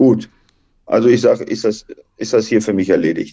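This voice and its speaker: The man's voice has a dark, mellow tone. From Duisburg, Ruhr area, Germany. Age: 60s. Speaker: former footballer and coach. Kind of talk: interview.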